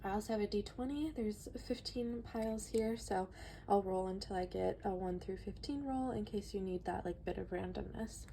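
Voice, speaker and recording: A woman's voice: mid-range voice, normal speed, creaky, a little hiss or hum, poor audio. A woman giving a casual, chatty tarot reading with a stuffy nose, sounding slightly out of breath. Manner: chatty and relaxed, reads book passages aloud. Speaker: tarot reader.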